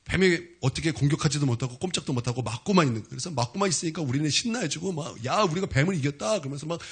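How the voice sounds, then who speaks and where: Husky, lively male pastor. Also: fairly high pitch. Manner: storytelling, vivid and animated. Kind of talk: sermon.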